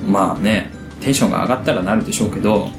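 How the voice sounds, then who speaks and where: A man chatting casually as a co-host in a matter-of-fact, gently chiding manner. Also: on the low side, rapid-fire. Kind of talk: casual chat. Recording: echoey room with music behind. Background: background music.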